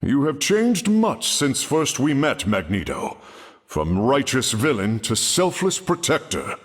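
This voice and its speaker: An actor playing a pompous, lordly warrior in a video game, speaking in an archaic, theatrical and formal way with a husky voice. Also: male voice, mid-range voice, very animated, takes it slowly, dry recording, studio quality, full character voice. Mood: grave, disappointed.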